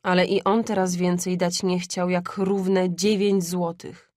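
A woman narrating an audiobook of a classic story in a measured, expressive way. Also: lowish voice, dry recording, studio quality.

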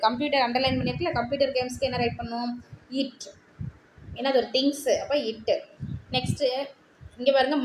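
Tamil-accented woman teacher explaining answers. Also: high-pitched. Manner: mixes Tamil with English terms, reads English sentences slowly word by word. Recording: echoey room with faint noise.

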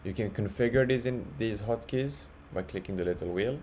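A man presenting a casual software walkthrough, explaining step by step in a halting way. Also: lowish voice. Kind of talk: casual screen-share walkthrough. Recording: clearly audible background noise.

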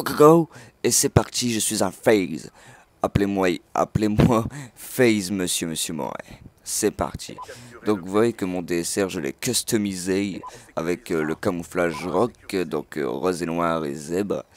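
Excitable low-voiced gamer man. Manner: excitable, swearing, frequent outbursts and fillers. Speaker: gaming channel host. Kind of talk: live gameplay commentary.

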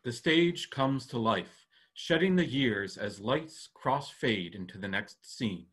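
A man reading stage directions as scripted, measured dramatic narration for a staged reading. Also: medium pitch, animated, fairly bright tone, slightly rough, exaggerated voice.

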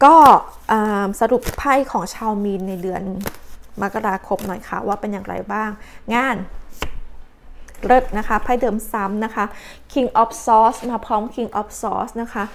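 A woman's voice: medium pitch, steady tone, unhurried, creaky. A young adult woman giving a chatty tarot reading. She talks casually and uses polite particles. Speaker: tarot card reader.

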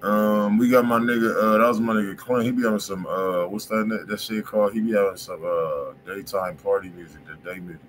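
Low-voiced man hosting a loose livestream. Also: fairly even intonation, a little fast, few pauses, a little hiss or hum. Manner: loose slangy talk, calls out to chat. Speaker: livestream music review host. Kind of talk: casual livestream chat.

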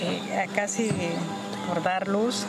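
An older woman from Panama, an indigenous community leader, gives interview testimony in a deliberate, halting way, searching for words. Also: mid-range voice, steady tone, creaky, loud music behind the voice. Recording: noisy field recording.

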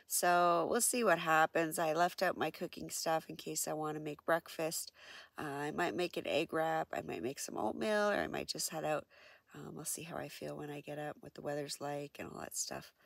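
Middle-aged woman, stuffed up, low and gravelly, rambling camp vlog into an arm's-length camera outdoors. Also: no room sound. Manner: chatty, relaxed, lots of ums and uhs. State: stuffed-up nose. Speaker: solo camping vlogger. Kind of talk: casual vlog narration. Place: outdoors at a lakeside campsite and in a tent.

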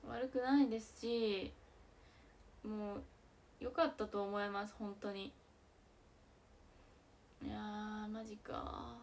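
A young woman giving casual live-stream commentary on a baseball game. She reacts out loud with excitement and often drops into a whisper. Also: mid-range voice, slow, vocal fry, long pauses, slight background noise.

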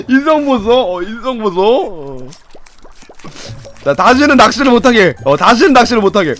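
A young man chats his way through a game stream, excitable and quick to laugh, now and then shouting and swearing in fun. His voice sits very high and swings around a lot. Game music plays faintly behind him. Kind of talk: casual gameplay commentary.

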